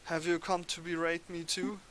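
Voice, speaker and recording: A man's voice: on the high side, level tone, moderate pace, background noise, natural voice. A man voicing an anxious, flustered young male bird lawyer in a story game.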